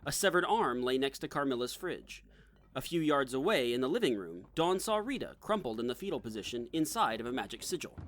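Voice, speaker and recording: Animated, bright-voiced male narrator. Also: mid-range voice, fairly quick. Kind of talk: scripted comic narration.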